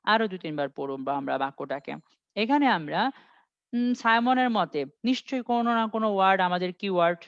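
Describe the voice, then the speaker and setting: Guy teaching ielts online, reads english real slow and keeps quizzing, dry dull lo-fi audio. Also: high-pitched, expressive, a bit bright, smooth, dry recording. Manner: reads English sentences slowly, quizzes students step by step. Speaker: IELTS tutor. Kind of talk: interactive online class.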